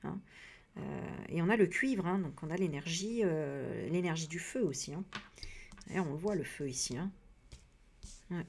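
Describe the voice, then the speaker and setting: A woman's voice: lowish voice, normal speed, creaky, pauses often, slight background noise. Rambling French woman giving a reading. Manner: rambling, full of hesitations and fillers; frank, animated asides. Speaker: psycho-energy practitioner and medium. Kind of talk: casual spiritual reading monologue.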